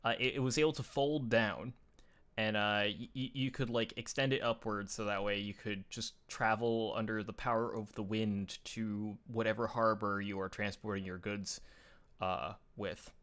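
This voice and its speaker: A bright, clear-toned man chats on a live stream. He rambles and restarts, scattering uhs as he talks through pictures, casual and loose. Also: lowish voice, steady tone, moderate pace. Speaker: show host sharing his picture folder.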